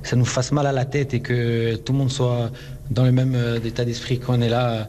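A man, a footballer, giving a halting post-match interview with many restarts. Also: mid-range voice, flat delivery, mellow. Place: stadium interview area.

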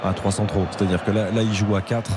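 A man analysing a live football match conversationally, halting and often repeating words as he goes. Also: fairly low pitch, level tone. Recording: loud background noise, stadium broadcast.

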